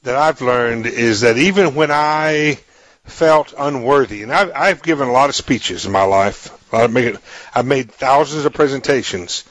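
A man's voice: mid-range voice, a little slow, a bit bright, no room sound, poor audio. A man hosting a podcast conversation, thinking aloud and often repeating words as he halts. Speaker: podcast host.

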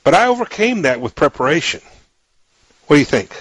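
Guy hosting a podcast, stop-start, repeats words, fairly high voice, dry close sound. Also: big pitch swings, a bit bright, breathy edge, no room sound, poor audio. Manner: halting, repeats words while thinking aloud. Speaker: podcast host. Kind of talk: podcast conversation.

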